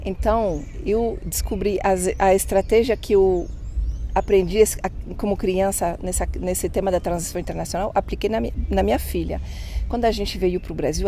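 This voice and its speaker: A middle-aged woman from Canada, a French native speaker, talking in a casual interview and often pausing to restart her words. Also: medium pitch, dark tone, slight background noise. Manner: thoughtful, pauses and restarts words. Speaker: interview guest.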